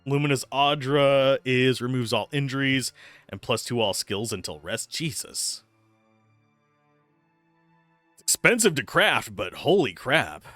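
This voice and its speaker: A man's voice: mid-range voice, expressive, normal speed, a bit bright, dry recording. A man streams a game, commenting and reading its text aloud. His intonation moves around a lot. The sound is close and dry, with faint game music behind.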